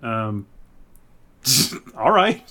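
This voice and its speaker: A man's voice: medium pitch, big pitch swings, very slow, bright, forceful tone. A man co-hosting a podcast in a casual, conversational chat. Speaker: podcast co-host. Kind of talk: casual chat about movies and video games.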